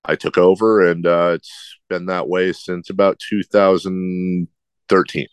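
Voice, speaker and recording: A man's voice: deep voice, little pitch movement, a little slow, clear, resonant tone, dry recording. A middle-aged man who hosts sports radio, with a slight lisp and a nasal, droning voice, answering interview questions in a rambling, self-deprecating way.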